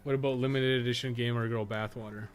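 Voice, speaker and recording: A man's voice: mid-range voice, steady tone, quick pace, over music. A man doing casual live game stream commentary, thinking aloud as he plays and swearing bluntly and often. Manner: blunt, heavily profane; rambling, thinking aloud while playing. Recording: noticeable background noise.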